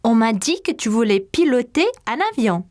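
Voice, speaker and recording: A woman's voice: a little high, animated, normal speed, a little mellow, lightly acted. A woman voicing a friendly airline pilot in a children's cartoon, with an announcing tone.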